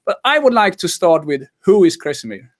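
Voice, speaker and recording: A man's voice: high-pitched, sing-song, moderate pace. A man hosting a podcast interview, speaking eagerly and often restarting his phrases. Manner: enthusiastic, stumbling restarts. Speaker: podcast host.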